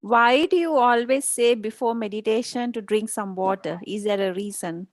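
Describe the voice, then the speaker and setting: A woman from Sri Lanka, a participant in an online session, sharing a personal story in a soft, chuckling way. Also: on the high side, normal speed, dry recording.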